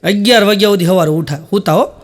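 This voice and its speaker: High-voiced Gujarati storyteller man. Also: fast talker. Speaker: stand-up comic. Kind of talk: folksy comic storytelling.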